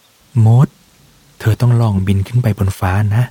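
A man voicing a small, loyal mouse who earnestly urges a friend on, raising his pitch, with a husky tone. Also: steady tone, measured pace, warm tone. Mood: urgent. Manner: earnest, urging.

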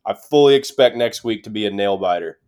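A man's voice: fairly low pitch, a little fast, a little mellow, clean tone. A man co-hosting a sports podcast, giving casual commentary in short, emphatic phrases and checking in with his listeners.

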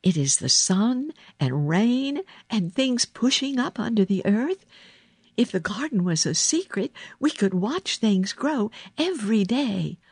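Storybook role: earnest ten-year-old girl, direct and eager, pitched up high, voiced by a woman. Animated delivery. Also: a little slow, husky, dry recording, exaggerated voice. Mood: anxious, pleading. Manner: eager, direct, sometimes anxious.

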